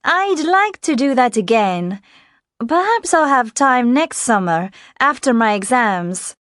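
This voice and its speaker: A woman reading scripted answers and sentences for a listening exercise, in a clear, careful way. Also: a little high, very animated, slow pace, a bit bright, no room sound, clean studio sound.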